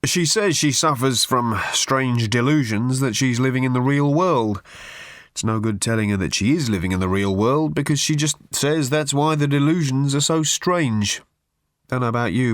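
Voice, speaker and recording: A man's voice: medium pitch, a bit bright, no echo, clean studio sound, natural voice. A man reading aloud, voicing a brusque, dismissive brother who sounds fed up and impatient. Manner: blunt, impatient, exasperated.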